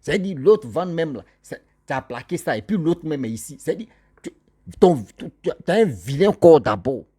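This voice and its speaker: A man's voice: on the high side, very animated, normal speed, mellow, breathy edge. A man lecturing his viewers in a monologue, scolding them and repeating his points as he addresses them directly. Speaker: social commentator. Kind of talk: moralizing monologue to camera.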